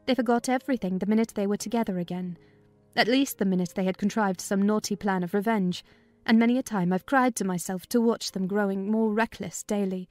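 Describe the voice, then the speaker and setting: A woman's voice: medium pitch, a little mellow, dry recording. Woman narrating over faint music. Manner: measured literary storytelling. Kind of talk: dramatized audiobook narration.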